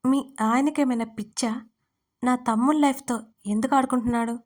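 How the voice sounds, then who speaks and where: A woman's voice: on the high side, steady tone, moderate pace, darkish tone, natural voice. A woman reading as an obsessive pushy young man. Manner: pleading then demanding, mixes English phrases.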